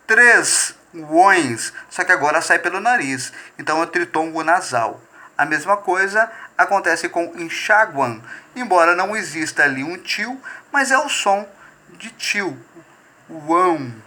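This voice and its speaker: A man teaching a recorded grammar lesson, slow and deliberate, stretching out example words and often adding "né?". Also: high-pitched, pushed and bright. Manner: often adds "né?" tags.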